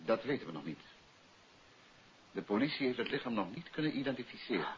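An actor playing an assured gentleman detective and teasing husband, emphatic and measured, in a 1950s Dutch radio drama. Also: mid-range voice, big pitch swings, close to an everyday voice. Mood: firm, explaining. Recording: muffled, noisy 1950s radio recording.

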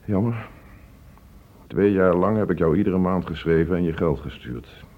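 Divorced father: low, rough-edged voice, reproachful and emotional radio-play delivery, muffled sound. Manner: reproachful, emotional, halting when upset. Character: frustrated divorced father pleading with his teenage son. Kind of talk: Dutch radio play acting. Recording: dull, muffled old radio play recording.

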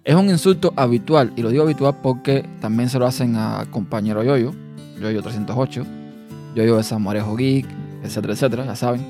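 A man with a Cuban accent hosting a personal podcast monologue, a quick talker who sometimes trips over his words. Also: mid-range voice, over music. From Cuba. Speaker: podcast host.

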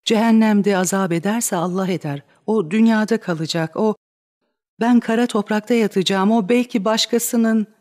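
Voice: mid-range voice, moderate pace, darkish tone, voice pushed up, close to an everyday voice. A reader voicing a desperate, lovesick young woman in a dramatic reading of a stage play, pleading and crying out in rising outbursts. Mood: despairing.

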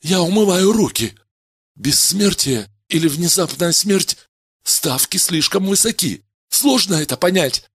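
A man voicing a frightened male test subject who pleads and protests, with a husky voice, read as a storybook. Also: high-pitched, animated, measured pace, fairly bright tone, no echo, studio quality, pitched above the performer's own voice, heavily acted. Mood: panicked. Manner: anxious, insistent, rising to cries.

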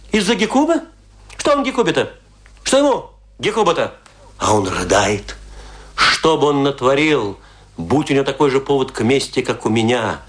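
An actor playing a lonely, embittered, hard-drinking stage actor in a radio play, declaiming theatrically and broodingly with a husky voice. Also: male voice, a little high. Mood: bitter, agitated. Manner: declamatory, brooding, with rhetorical questions and long pauses. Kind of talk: theatrical dramatic monologue, Russian radio play.

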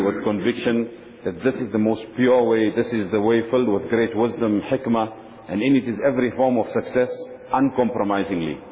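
Fast-talking low-voiced male preacher. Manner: earnest, steady storytelling with many Arabic honorifics. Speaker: Islamic speaker. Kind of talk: religious talk to a gathering. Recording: dull lo-fi recording with faint noise.

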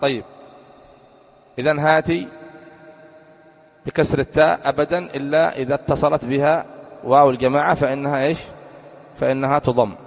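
A man's voice: medium pitch, fairly even intonation, fast, creaky. A man, a sheikh, teaching an Arabic grammar class, repeating each point and quizzing his students with questions. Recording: long hall reverb.

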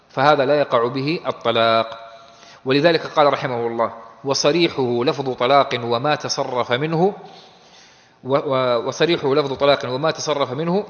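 This is a man teaching a classical law text in a classroom lecture. He keeps putting questions to his students and answering them in plain, everyday terms. His voice sits a little high. The dull, muffled recording carries a long echo from the hall. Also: a bit bright. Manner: explains in plain conversational terms.

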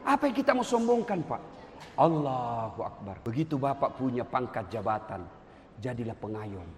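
Animated preacher man in an echoey hall. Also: moderate pace. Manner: animated, swings from loud exclaiming to low storytelling asides. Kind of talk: lively humorous sermon. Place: large hall before an audience. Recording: echoey hall, faint background noise.

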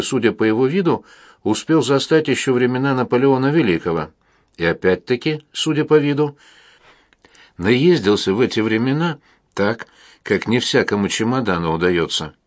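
A man narrating an audiobook in a measured, gently ironic storytelling manner. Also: mid-range voice. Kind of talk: audiobook reading.

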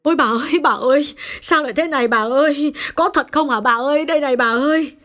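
A woman voicing a gossipy, excitable household cook in an audiobook. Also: mid-range voice, fairly quick. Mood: alarmed. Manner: gossiping, alarmed cries.

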